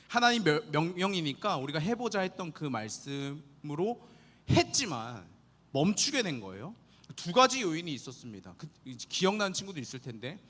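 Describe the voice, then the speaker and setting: Animated young man preaching a youth sermon. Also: fairly high pitch, long reverb tail. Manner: earnest, animated preaching with rhetorical questions to the youth. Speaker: youth pastor.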